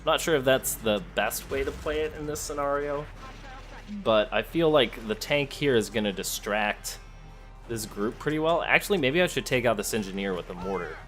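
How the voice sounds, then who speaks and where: This let's play host chats casually while gaming, talking to the characters, thinking aloud, and occasionally reading the on-screen text. His mid-range voice is expressive and fairly bright, at a normal speed, with faint music behind him.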